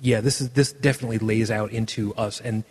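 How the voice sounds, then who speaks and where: A man's voice: on the low side, steady tone, fairly quick, big-room sound, background noise. A man hosting a podcast, chatting casually in a rambling way with many fillers and signing off the show. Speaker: podcast host. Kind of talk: casual chat and show sign-off.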